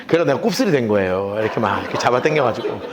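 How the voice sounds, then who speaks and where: A male pastor preaching a sermon, telling the story in an animated way and acting out the characters. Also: mid-range voice, racing, crowd noise.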